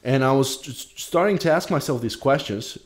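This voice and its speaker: A young man from Bulgaria, Polish by first language, telling a story in a casual podcast. He talks in an animated way with quick restarts and the odd swear word. His voice sits at an everyday middle pitch, recorded close on a boom mic in a small home room. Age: young adult. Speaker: podcast co-host. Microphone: studio mic on a boom, headphones.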